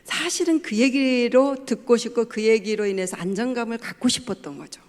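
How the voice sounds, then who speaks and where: A woman's voice: a little high, brisk, darkish tone. A middle-aged woman, a pastor's wife, gives a family talk at church, telling personal stories and acting out what her family said. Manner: storytelling, acting out family quotes. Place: church sanctuary. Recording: long church hall reverb.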